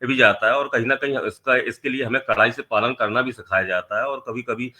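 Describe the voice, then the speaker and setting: A man's voice: medium pitch, fairly even intonation, fairly quick, pushed and bright. A man hosting a meeting, thanking the speaker, hesitant and full of fillers.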